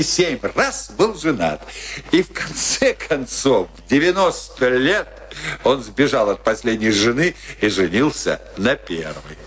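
An actor playing a middle-aged, wry, philosophizing husband in a bitter long marriage, in a Russian radio play with theatrical, musing delivery. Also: male voice, on the high side, a bit bright, breathy edge, exaggerated voice. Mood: animated, mocking. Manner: theatrical, musing, swinging between teasing and brooding. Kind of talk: Russian radio play acting, dramatic dialogue.

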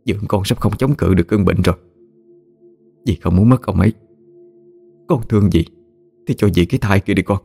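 A man's voice: low-pitched, brisk, creaky, long pauses, a little mellow, husky, faint music behind, exaggerated voice. A man voicing a scheming older aunt who scolds and threatens her niece. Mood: scolding. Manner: scolding, harsh, wheedling.

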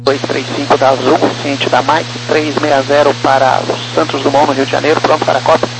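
A Brazilian man, an airline pilot, reading back clearances over aircraft radio. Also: medium pitch, flat delivery, fairly quick. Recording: noisy aircraft radio with cockpit ambience.

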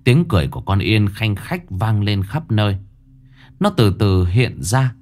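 A man's voice: on the low side, sing-song, measured pace, a little mellow. Dramatic male ghost story narrator.

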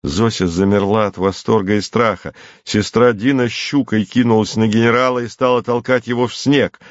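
A man narrating an audiobook in a calm, measured storytelling manner. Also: fairly low pitch, dry recording, lo-fi sound. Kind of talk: scripted narration.

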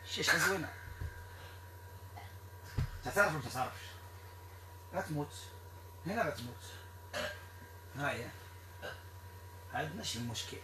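A man with a Moroccan Arabic accent, performing an exorcism ritual in a stern, repetitive, commanding way that sometimes turns to shouting. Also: fairly high pitch, expressive, moderate pace, pauses often. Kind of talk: ritual commands to a possessed person. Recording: echoey room, distant mic, noisy.

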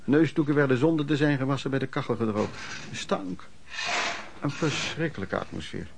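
A man's voice: mid-range voice, normal speed, gravelly, background noise, close to an everyday voice. An actor playing an embittered working-class man who recounts his miserable youth in a colloquial radio play monologue. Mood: matter-of-fact. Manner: colloquial, emotional storytelling with repetitions. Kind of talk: Dutch radio play narration, reminiscing monologue.

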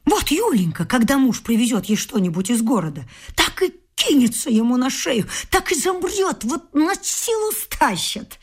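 A woman's voice: sits high, very animated, normal speed, hardly any pauses, breathy edge, exaggerated voice. An actress in a radio play voicing a domineering, grasping middle-aged mother-in-law who scolds emphatically and haughtily. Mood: scolding, lecturing. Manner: scolding, emphatic nagging with whispered scorn. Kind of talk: theatrical radio drama acting.

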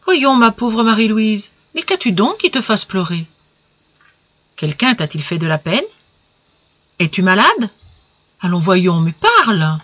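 A storybook narrator reading the part of a kindly older father who gently coaxes his daughter, slowing down on his questions. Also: mid-range voice, big pitch swings, dry recording, highs cut off. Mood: coaxing. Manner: gentle, coaxing, slowed questions.

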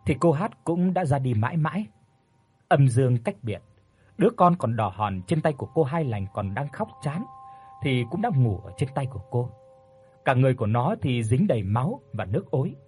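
A man narrating a scripted ghost story in a steady, measured way. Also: medium pitch, husky.

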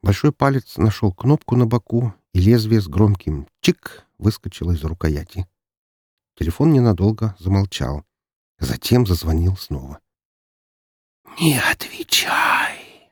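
Male audiobook reader, low-pitched and husky, expressive delivery, dry studio sound. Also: moderate pace, no room sound. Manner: expressive storytelling reading. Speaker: audiobook narrator. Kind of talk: scripted narration.

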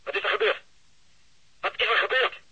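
An actor playing an alert police lookout reporting urgently through a walkie-talkie filter in a radio drama, with a rough voice. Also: male voice, normal speed, bright, forceful tone. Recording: dull, crackly walkie-talkie sound.

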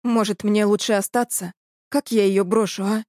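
A woman's voice: mid-range voice, steady tone, moderate pace, a little mellow, no room sound, clean studio sound, lightly acted. A woman voicing a casual, skeptical young man.

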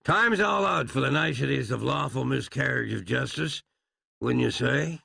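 A man's voice: mid-range voice, animated, normal speed, vocal fry, sharp tone, slightly rough, no room sound, voice pushed up, heavily acted. A man voicing a grandiose, vengeful Old West marshal who talks in pompous, folksy frontier phrases. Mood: grand.

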